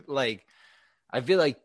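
A young man co-hosting a podcast, chatting casually in a blunt, profane, animated way. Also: medium pitch, slow pace, no echo. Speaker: podcast co-host.

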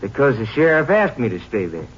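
A man's voice: medium pitch, sing-song, brisk, husky. Evasive crooked lawman, old radio. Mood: defensive. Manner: folksy, offhand, clipped. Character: evasive, crooked small-town lawman covering his tracks. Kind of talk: 1950s radio drama acting. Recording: dull, noisy vintage 1950s radio recording.

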